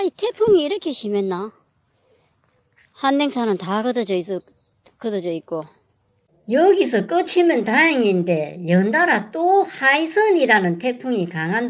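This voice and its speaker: A woman, narrating her own farm vlog in a plain, matter-of-fact way with a mild grumble. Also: medium pitch. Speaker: home farmer vlogger. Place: outdoor vegetable field.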